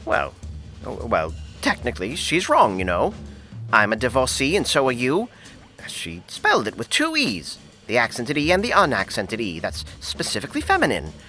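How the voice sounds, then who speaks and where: Casting: officious, pedantic man for audio drama; halting, bright-edged delivery with extremely animated pitch. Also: faint music behind. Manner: pedantic, halting with repeated words. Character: fussy, self-righteous man, pedantic and officious.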